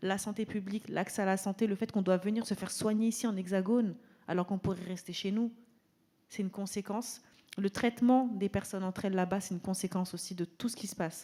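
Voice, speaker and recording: A woman with a dark, mellow tone, a medium pitch and monotone, flat intonation, at a very fast pace. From French West Indies. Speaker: activist panelist. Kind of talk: round table talk.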